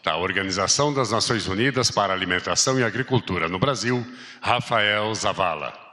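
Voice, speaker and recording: A man with a lowish, bright voice makes a formal announcement at an official event. His voice sounds distant, carried by the long reverb of a large hall. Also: fairly quick. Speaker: ceremony announcer.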